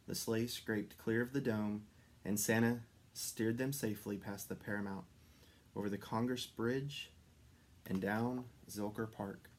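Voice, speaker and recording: A man reading a children's story aloud expressively, with dramatic pauses and stressed descriptive words. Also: lowish voice, darkish tone. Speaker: story reader.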